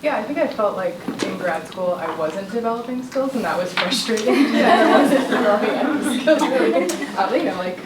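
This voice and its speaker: A young woman, a doctoral fellow, speaking haltingly with many fillers in a group discussion. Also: a little high, animated, a loud crowd. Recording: roomy, distant, noisy.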